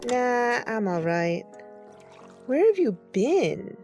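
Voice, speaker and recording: A woman's voice: fairly high pitch, sing-song, takes it slowly, darkish tone, faint music behind. An actress playing a casual, tentative young woman in an audio drama, a little hesitant. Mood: tentative, concerned.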